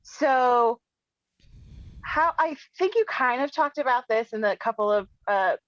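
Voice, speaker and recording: A woman's voice: on the high side, expressive, no room sound, lo-fi sound. Enthusiastic woman comedian host. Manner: enthusiastic, quick to laugh. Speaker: comedian interviewer. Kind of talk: casual interview chat.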